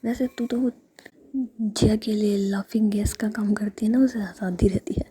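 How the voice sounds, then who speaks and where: A woman's voice: medium pitch, steady tone, moderate pace, warm tone, slightly rough. A woman whispering the lines of a teasing young female friend.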